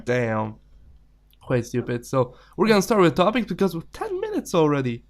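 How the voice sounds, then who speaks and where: A man's voice: a little high, huge pitch swings, normal speed, crowd noise. A young man with an Eastern European accent, English not his first language, hosting a casual gaming podcast and laughing often. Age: young adult. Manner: laughs often, acts out little voices. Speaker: podcast host. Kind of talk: casual chat.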